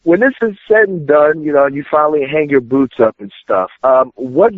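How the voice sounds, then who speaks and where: A man's voice: fairly high pitch, normal speed, no room sound. A man co-hosting an interview show, asking casual questions in hesitant phrasing. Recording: tinny phone-like radio show audio.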